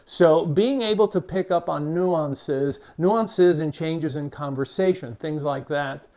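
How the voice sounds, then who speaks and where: Measured older man with a Cuban-American accent. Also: on the high side, dark tone. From Cuba, raised in Miami. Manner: measured, unhurried, with many "uh" fillers and small restarts. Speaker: behavior expert, channel host. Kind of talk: reflective talk to camera.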